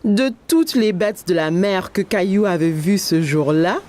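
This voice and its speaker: A woman playing a kindly narrator, telling a children's cartoon story in a gentle, expressive way. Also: lowish voice, unhurried, faint music behind. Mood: gentle storytelling.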